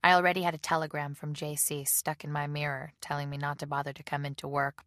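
A woman reading a novel aloud as a measured, subdued first-person audiobook narration. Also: deep voice, gravelly, a bit bright, dry recording, clean studio sound. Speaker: audiobook reader.

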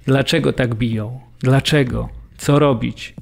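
A man's voice: medium pitch, steady tone, unhurried, vocal fry, faint music behind. A man acting a bewildered prisoner in a radio drama, reliving events in short, stark phrases. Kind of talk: scripted radio drama monologue.

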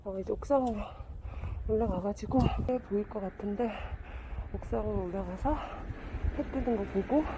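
A woman's voice: mid-range voice, moderate pace, background noise. A woman vlogger chatting casually to her viewers outdoors, speaking through a face mask into a handheld phone. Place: outdoors, high above a city at dawn.

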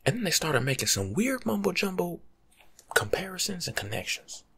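A young American man speaks in soft ASMR tones, half-whispered and very breathy. His voice is gravelly and swings animatedly up and down as he lectures in casual, teasing slang. He sounds close to the microphone. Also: high voice, very animated, normal speed. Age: young adult. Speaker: ASMR creator playing a life coach. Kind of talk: soft-spoken ASMR, casual advice monologue. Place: small home room, seated indoors.

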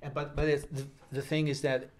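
A man's voice: a little high, level tone, fairly quick. Man interviewer groping for words. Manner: searching for words, repeats himself. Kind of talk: press interview questions. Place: festival press room, indoors. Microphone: handheld mic.

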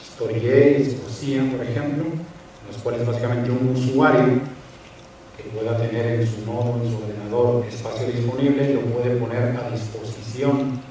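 A man in his thirties gives a technical conference talk with a mellow, relaxed tone, pausing on small repeated words as he works through each explanation. His voice rings out in a big echoey cinema hall. It is picked up from a distance. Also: mid-range voice, a little hiss or hum. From Spain. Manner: measured explanatory delivery with frequent hesitant repeats. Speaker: conference speaker. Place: large cinema hall on stage. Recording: echoey hall recording from far off.

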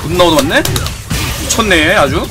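A young man streaming a fighting game, explaining tactics in an excitable way, repeating himself and cursing at the screen. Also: high-pitched, moderate pace. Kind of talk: fighting game tutorial commentary. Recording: music playing behind.

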